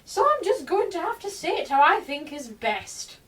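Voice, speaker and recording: A woman playing a sentimental, rambling dead old woman in a radio play, gentle one moment and snappish the next. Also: extremely high pitch, very animated, normal speed, full character voice. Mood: wistful. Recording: distant microphone.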